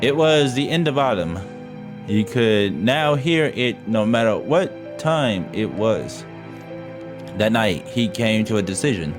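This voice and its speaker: A streamer reads a ghost story aloud from a visual novel in a lowish, animated voice at a slow pace. He goes for drama but slips into casual, profane asides and trips over the text, while loud game music plays behind him.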